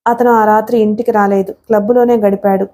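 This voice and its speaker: A woman narrating a novel for an audiobook in a steady, expressive storytelling manner. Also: medium pitch, fairly quick, slight background noise.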